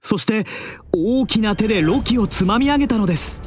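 A man narrating a children's storybook drama in an expressive, drawn-out, dramatic manner. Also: high-pitched.

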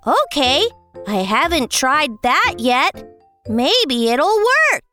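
An actor voicing a sleepless, fretful little boy prince in a bedtime storybook, with slow singsong counting and plaintive sighs. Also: very high voice, big pitch swings, pushed and bright, faint music behind, full character voice. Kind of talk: storybook character voice.

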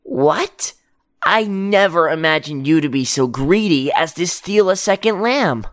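A woman's voice: fairly low pitch, expressive, a little slow, dry recording, clean studio sound. A woman voicing a small, sly male fox in a children's cartoon story, nervous and eager to please.

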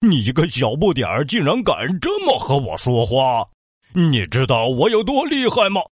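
A man's voice: medium pitch, huge pitch swings, moderate pace, husky, dry recording, clean studio sound. A man voicing a big, bragging male black bear in a children's story, blustering and proud of his strength. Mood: boastful.

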